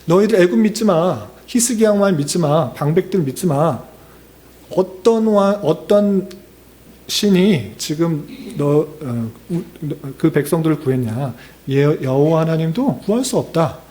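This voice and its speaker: A man's voice: on the high side, expressive, a little slow, dark tone. A male preacher voicing a mocking, boastful enemy commander in a scornful, taunting tone.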